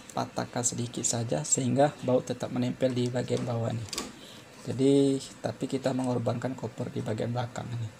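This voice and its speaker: A man explains a hands-on repair step by step, unscripted and halting, repeating himself as he goes. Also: medium pitch, creaky, a little mellow, slight background noise. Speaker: phone repair tutorial presenter.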